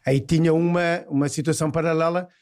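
A man's voice: a little high, fairly even intonation, fast talker, darkish tone. A man with a European Portuguese accent, talking casually as a guest in a conversation. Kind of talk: casual chat.

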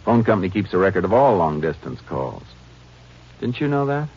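Shrewd male lawman lead, deep bass, measured folksy delivery, dull vintage radio sound. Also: very animated, darkish tone, husky, heavily acted. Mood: calm, pressing. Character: steady, shrewd Texas Ranger lawman, grown man. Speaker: radio drama lead actor and narrator. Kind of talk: 1950s radio western acting and narration. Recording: muffled, noisy old radio recording.

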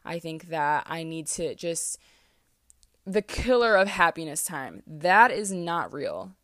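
A woman's voice: deep voice, lively intonation, slow, a bit bright, no echo, studio quality. A woman in her twenties from the East Coast, hosting a casual solo podcast and talking candidly, with many fillers and restarts. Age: 20s. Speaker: podcast host. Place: closet, small room.

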